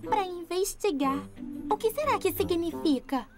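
A bookish cartoon detective girl, super high and lively, dramatic, loud music behind. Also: measured pace. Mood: self-assured, theatrical. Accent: Brazilian. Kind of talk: animated children's cartoon dub.

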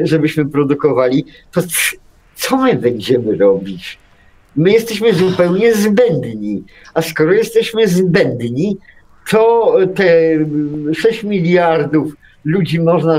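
An older man on a talk show panel, discussing casually in a sardonic, halting way. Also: fairly high pitch, darkish tone.

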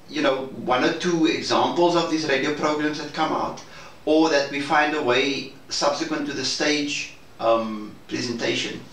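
A man speaking in a measured, hesitant and formal way in a reflective debrief conversation. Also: a little high, a bit bright. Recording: roomy, distant mic, faint noise.

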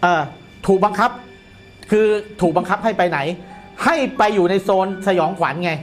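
A man's voice: high-pitched, moderate pace, faint music behind. A middle-aged man explaining things in a casual, colloquial studio chat, repeating phrases for emphasis. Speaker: guest commentator on a horror show. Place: indoor studio, seated at a desk.

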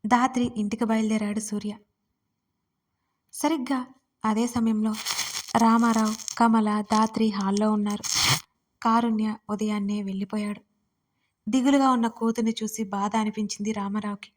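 A woman storyteller narrating a romance audio story in a steady, expressive reading voice. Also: medium pitch, normal speed, pauses often.

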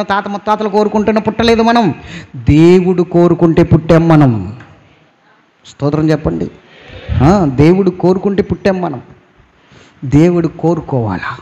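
High-pitched preaching man, emphatic refrains. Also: darkish tone, highs cut off. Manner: repetitive, rising preaching cadence with emphatic refrains. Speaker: pastor. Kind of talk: sermon.

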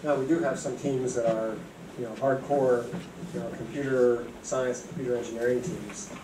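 A man's voice: medium pitch, fairly even intonation, unhurried. A man in his fifties giving a guest lecture, explaining steadily into a handheld mic with "you know" fillers. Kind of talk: explanatory talk. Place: university seminar room. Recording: echoey room from a distance, clear background noise.

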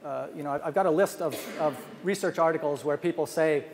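A man's voice: on the high side, fairly quick. An older man giving an academic conference talk at a podium microphone, earnest, thinking aloud with many restarts. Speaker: speaker presenting research. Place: large hotel ballroom, at a podium. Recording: long hall reverb, faint noise.

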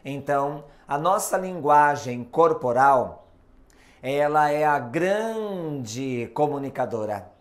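A man with a Brazilian Portuguese accent teaching a recorded video lesson on communication and hypnosis, speaking slowly and deliberately with clear emphasis. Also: a little high, lively intonation. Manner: slow, deliberate explanatory delivery with emphasis.

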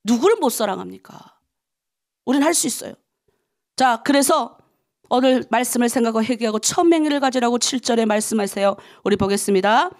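A middle-aged woman pastor from North Korea delivers a dawn prayer sermon. Her voice sits high and has a gravelly, creaky texture. She exhorts the congregation in an animated way, full of rhetorical questions. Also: a little fast.

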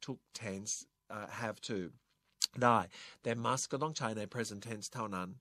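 A man teaching English on a radio show, explaining grammar in lively mixed Thai and English. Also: on the low side, takes it slowly, no room sound. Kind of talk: bilingual radio English lesson. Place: radio studio.

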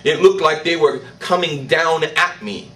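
An older man, a priest, preaching a sermon in church, slow and emphatic, with declarations that rise in pitch. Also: sharp tone, far from the mic, low-quality recording. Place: church, indoors. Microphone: stand mic in front.

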